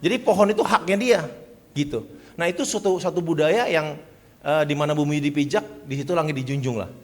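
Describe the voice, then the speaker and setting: A man's voice: on the high side, brisk. A man preaching, telling funny stories between points. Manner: lively storyteller, acts out voices. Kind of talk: sermon with comic storytelling. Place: church. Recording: church hall reverb.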